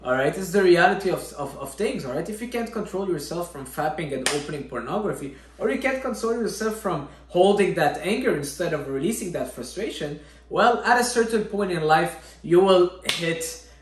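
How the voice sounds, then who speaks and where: A man's voice: high voice, expressive, moderate pace, a little hiss or hum. Earnest man with an echoey room sound. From Syria. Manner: earnest, repeats "all right?" often. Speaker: fitness vlogger, natural bodybuilder. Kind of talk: motivational talk to camera.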